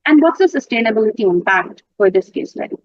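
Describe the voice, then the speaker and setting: A Pakistani woman whose native language is Urdu presents mental health research at a conference, explaining as she goes, clarifying terms and using the occasional filler. Her voice is medium-pitched with lively intonation and a fast delivery. The sound is dry with no room echo, dull and lo-fi.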